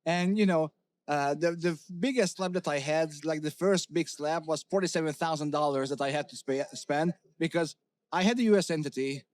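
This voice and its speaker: A man's voice: on the high side, moderate pace. A middle-aged man from Hungary, a company CEO talking candidly in an interview, with many fillers and restarts. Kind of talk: casual interview talk.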